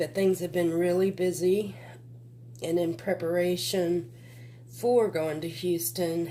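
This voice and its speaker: A woman with a Southern US accent speaks very slowly, leaving long, frequent pauses. Her dark, mellow tone sits fairly low, with ordinary pitch variation. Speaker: vlogger and reborn doll collector. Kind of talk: casual vlog. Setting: at home in nursery. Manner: quiet, talking low.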